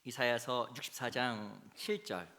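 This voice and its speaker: A woman preaching a sermon in short phrases, pausing for an interpreter and rising to loud, emphatic exhortation. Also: a bass voice. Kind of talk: sermon in Korean with live interpretation. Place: church sanctuary.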